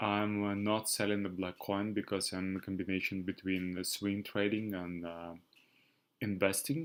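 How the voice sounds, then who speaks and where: A man with a Russian accent speaks at a fairly low pitch with fairly even intonation. The recording is very clean, with a silent background. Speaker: trader and crypto analyst. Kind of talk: market analysis monologue. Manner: slow; halting, many fillers.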